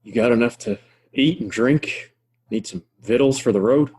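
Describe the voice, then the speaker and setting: A man's voice: medium pitch, moderate pace, darkish tone, husky, close to an everyday voice. An American actor playing a kindly, wry frontier townsman in a Western audio play, with a folksy, plainspoken, reassuring drawl. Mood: warm, practical.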